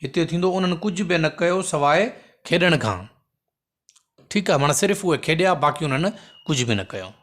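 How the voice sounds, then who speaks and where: A man's voice: on the high side, expressive, fairly bright tone. Patient man teaching grammar. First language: Sindhi. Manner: patient, repetitive explaining, reads example sentences slowly. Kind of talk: recorded lesson explanation.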